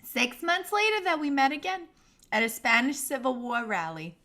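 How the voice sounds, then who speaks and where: A woman acting as a feisty elderly wife telling of her courtship, as if in a documentary interview. Her voice is fairly high and very sing-song. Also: very animated, normal speed, pushed and bright, full character voice. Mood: nostalgic. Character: feisty old wife reminiscing about courtship. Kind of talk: table-read acting, documentary-interview pastiche.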